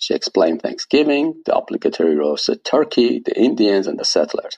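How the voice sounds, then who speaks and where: A man talks at a fairly quick pace in a dry, close sound with no echo. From Iran. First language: Persian. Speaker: research engineer. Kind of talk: reading aloud.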